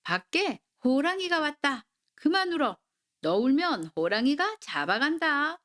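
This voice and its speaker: A woman putting on an exasperated storybook mother, high and fussy, coaxing tone, lively pitch. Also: measured pace, full character voice. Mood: scolding coaxing. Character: exasperated young mother hushing a crying child. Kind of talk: bedtime storybook reading.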